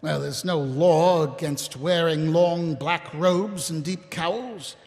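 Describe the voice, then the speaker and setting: A man's voice: a little high, slow, darkish tone. A man playing a weary, sardonic middle-aged watch captain in live audio theatre, rambling and wry. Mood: exasperated. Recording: echoey live stage hall, music behind.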